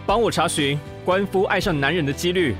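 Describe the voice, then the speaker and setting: An actor playing a vain, bossy gay fashion-magazine director in a radio drama, with a Taiwanese Mandarin accent and a haughty, theatrical manner. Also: male voice, high-pitched, fairly quick, over music, close to an everyday voice. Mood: exasperated.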